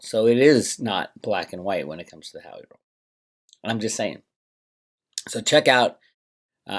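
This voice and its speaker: Low-voiced man giving casual, opinionated market commentary. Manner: conversational, emphatic asides, rhetorical questions. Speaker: host of a financial commentary vlog.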